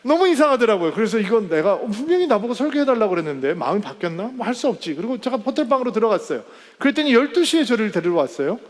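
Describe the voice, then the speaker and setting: A male pastor telling a story in a sermon, animated and acting out the quoted voices. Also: sits high, rapid-fire. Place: church sanctuary. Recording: church hall with long reverb.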